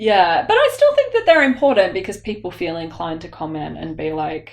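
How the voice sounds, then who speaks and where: A woman in an Australian accent speaks at a fairly quick pace, her loudness swinging widely. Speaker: science YouTuber. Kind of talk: casual interview chat. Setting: in front of a live audience. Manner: halting, many fillers.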